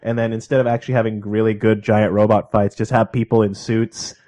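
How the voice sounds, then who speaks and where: A man in his thirties co-hosting a casual podcast, trading jokes and quick asides. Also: fairly low pitch, level tone, mellow. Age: 30s. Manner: joking banter with quick asides. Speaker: podcast co-host.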